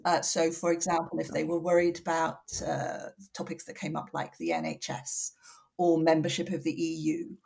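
A woman academic giving explanatory interview answers in a measured, analytical way, correcting herself as she goes. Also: low voice, gravelly, darkish tone, slightly rough. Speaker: academic researcher, interview guest.

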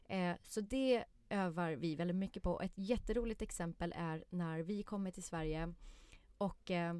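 Animated woman telling an anecdote. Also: lowish voice, clean tone, no room sound. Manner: lively storyteller, many fillers and restarts, acts out quotes. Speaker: podcast guest. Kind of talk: casual storytelling chat.

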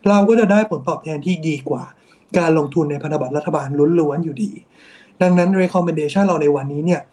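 Thai man explaining bond markets, mellow tone. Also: fairly high pitch, fairly quick. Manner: explanatory, mixes English finance terms, frequent polite particles. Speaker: investment strategist. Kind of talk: financial market commentary.

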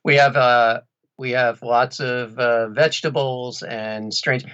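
Mid-pitched man, slightly dull recording. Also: fairly even intonation, slow pace, fairly bright tone, smooth. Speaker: podcast guest, audiobook narrator. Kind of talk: casual conversation.

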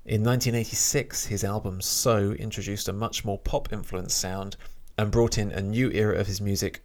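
A man in casual chat about music, talking in a relaxed, hesitant way and sometimes reading a short biography aloud. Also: lowish voice, vocal fry.

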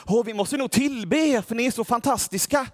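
A man's voice: very high-pitched, no room sound, studio quality, pitched above the performer's own voice. A man voicing an awestruck crowd of ancient townsfolk who marvel and gush in a breathless way. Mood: awed. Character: awed ancient townsfolk crowd, gushing, worshipful.

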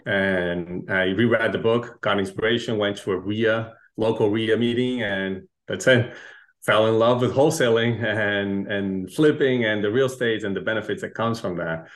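Low-voiced man, earnest guest. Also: rough recording. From Chile. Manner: earnest, slightly halting. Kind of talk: casual interview chat.

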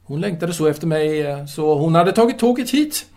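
An actor playing a courteous, restless philosophy teacher of the 1930s in an audio drama, speaking formally with hesitant pauses. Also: male voice, fairly high pitch, lively intonation, dark tone. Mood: longing, reflective. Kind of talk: audio drama dialogue, intimate phone conversation.

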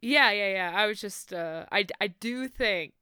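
Woman cohosting a chill podcast, bright crisp voice, giggly, trips over her words a lot. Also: mid-range voice, a little slow, no room sound, studio quality. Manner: chatty, laughs often, self-interrupting. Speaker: podcast co-host. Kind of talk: casual chat.

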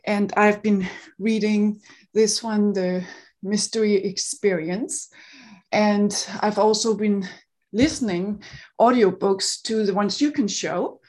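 A Danish woman hosts an online summit interview over a video call. Her Danish accent is clear, and she talks in a loose, chatty way. She laughs easily and often restarts her sentences. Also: mid-range voice, fairly even intonation, slow, darkish tone. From Denmark.

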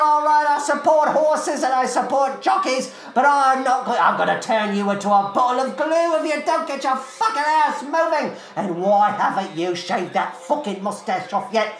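A woman voicing a drunk, foul-mouthed, violent cockney racegoer who swings between prim manners and profane shouting in a comedy monologue. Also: high voice, roomy sound, pitched above the performer's own voice.

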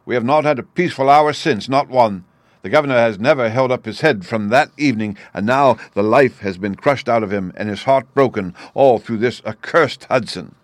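A man voicing a careworn young gentleman in an audiobook, speaking emphatically and in anguish. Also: mid-range voice, normal speed, no room sound, natural voice. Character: distraught, careworn young gentleman, son of squire.

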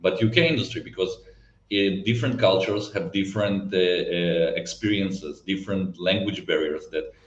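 A man's voice: deep voice, moderate pace. A non-native English-speaking man with a foreign accent, explaining things conversationally and searching for words at times. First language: not English. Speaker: event technology company guest. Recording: roomy, slightly dull lo-fi sound.

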